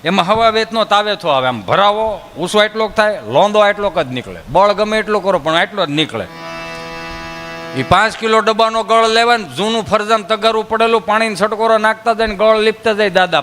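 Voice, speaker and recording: A man tells rural jokes as a folk comedian in a high-pitched voice. His tone is bright and ringing. The sound carries a long hall echo, with faint music under it. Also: a little fast. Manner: acts out villagers' voices in his tales. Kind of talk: Gujarati folk comedy storytelling on stage.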